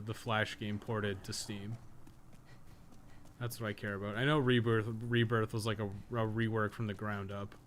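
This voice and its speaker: A man's voice: on the low side, noisy background. A man chatting casually on a live game stream, rambling through blunt opinions with plenty of swearing. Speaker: game streamer and podcast host.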